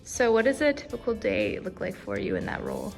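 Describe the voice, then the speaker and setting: A woman interviewer asking questions in a brisk, friendly way. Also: fairly high pitch, vocal fry, soft background music.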